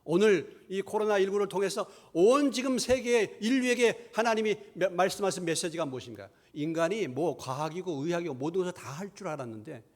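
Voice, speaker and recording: Korean pastor preaching, high-pitched, dynamic. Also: male voice, lively intonation, a little fast, hardly any pauses. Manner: preaching with rhetorical questions, swinging from hushed asides to raised emphatic lines. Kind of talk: sermon. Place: church sanctuary.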